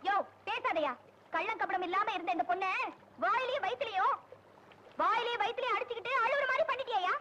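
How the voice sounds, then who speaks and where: A woman's voice: very high-pitched, fairly quick, muffled recording, heavy background noise. An actress playing a bossy older village woman who scolds and teases, with a Tamil accent. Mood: scolding. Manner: scolding, teasing. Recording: old film soundtrack under loud music.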